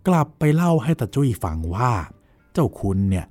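A man's voice: mid-range voice, brisk, no room sound, soft background music. A man voicing a polite, dutiful young nephew, recounting events deferentially in a dramatized novel reading. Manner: deferential, recounting events with lively acted quotes. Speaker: reader voicing a character.

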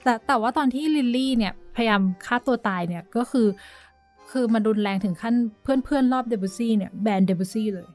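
A woman's voice: fairly high pitch, fairly quick, a little mellow, faint music behind. A woman co-hosting a podcast, telling a story in a chatty, hesitant way and dropping in English words. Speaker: podcast co-host. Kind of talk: casual chat.

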